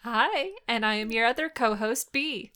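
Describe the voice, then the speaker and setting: A woman co-hosting a casual podcast, relaxed and recapping plot in a plain, easy way. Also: on the high side, normal speed, clear, resonant tone. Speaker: podcast co-host. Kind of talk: casual chat.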